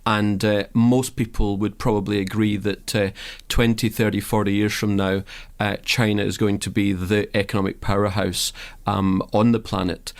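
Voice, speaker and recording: A man's voice: fairly low pitch, flat delivery, normal speed. A man with a Scottish accent, a studio guest on a radio show, talking casually and hesitantly with many fillers and restarts. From Scotland. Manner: hesitant, many ums and repeated starts.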